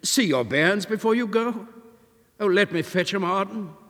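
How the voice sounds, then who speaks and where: Excitable old country woman voiced by a man, high and loud, husky, with reverb. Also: a little slow, heavily acted. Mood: exclaiming. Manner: rustic dialect, exclaiming. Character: excitable old village woman, kindly and rustic. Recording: reverberant room.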